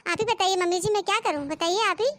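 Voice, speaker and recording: A woman's voice: very high voice, fast, a bit bright, no echo. A woman voicing a cheeky young daughter-in-law in a comic cartoon, talking back in a whiny, defiant way. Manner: whiny, defiant, sing-song pleading.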